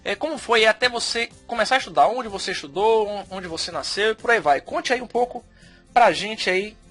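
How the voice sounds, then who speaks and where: A man hosting a podcast, enthusiastic and emphatic. His voice sits high and bright, with soft music faint under it. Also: animated, brisk. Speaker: podcast host.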